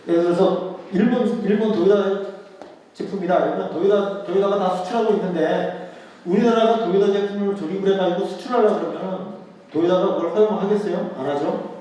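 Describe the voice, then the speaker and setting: Male lecturer, higher pitch, chatty style that repeats key points, recorded from afar in a reverberant hall with faint noise. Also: mellow. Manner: conversational, asks rhetorical questions and repeats key words. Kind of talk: history lecture to an audience. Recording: echoey hall, voice picked up from a distance.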